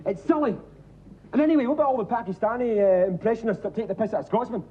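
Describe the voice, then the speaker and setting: A man's voice: sits high, very fast. A Scottish man doing a sardonic stand-up routine on stage, stammering and mock-dramatic. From Scotland. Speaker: stand-up comedian. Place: studio stage before a live audience. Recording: tinny lo-fi TV recording with audience.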